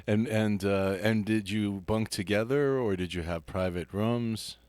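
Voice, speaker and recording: Chatty low-voiced male radio host. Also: steady tone, measured pace, darkish tone, no echo. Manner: chatty, many fillers and restarts. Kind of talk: live radio interview. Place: radio studio.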